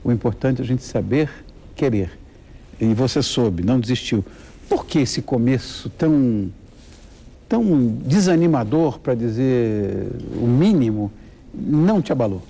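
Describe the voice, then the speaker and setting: A man's voice: mid-range voice, animated, measured pace, dark tone. A man with a Brazilian accent hosting a talk show and interviewing a guest in a conversational way.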